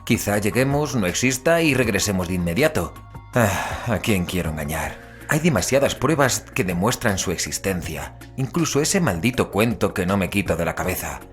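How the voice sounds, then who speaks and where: An actor playing a jittery, irreverent young investigator who grumbles expressively in an audio drama. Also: male voice, on the low side, sing-song, moderate pace, faint music behind. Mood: uneasy musing.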